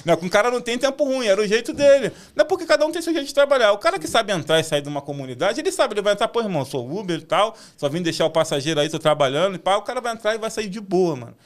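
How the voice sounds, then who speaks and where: A man's voice: sits high, sing-song, rapid-fire, hardly any pauses. A man from Rio de Janeiro with a carioca accent and tongue-tied, slushy articulation, telling stories as a driver in slangy casual chat. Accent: Rio de Janeiro Portuguese. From Rio de Janeiro, Brazil. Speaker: ride-hailing driver, guest.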